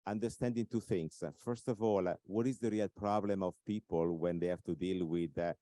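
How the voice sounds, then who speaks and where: A man with an Italian accent giving a conference talk, speaking in measured phrases with frequent fillers. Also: low voice, steady tone, mellow, dry recording. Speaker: invited speaker.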